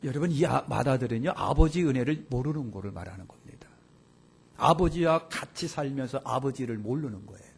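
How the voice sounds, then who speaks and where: A male pastor preaching a sermon in a church, telling a story in an animated way with loud, emphatic bursts. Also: medium pitch, brisk, vocal fry, breathy edge. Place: church sanctuary.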